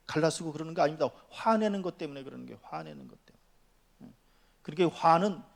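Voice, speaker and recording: A man preaching a sermon to his congregation, scolding and joking by turns and sometimes dropping to a near whisper. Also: a little high. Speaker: pastor. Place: church sanctuary.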